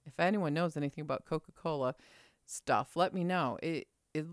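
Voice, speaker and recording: A woman's voice: sits low, moderate pace, no room sound, studio quality. A middle-aged woman vlogging in a chatty, rambling way with fillers. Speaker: quilting vlogger. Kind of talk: casual chat.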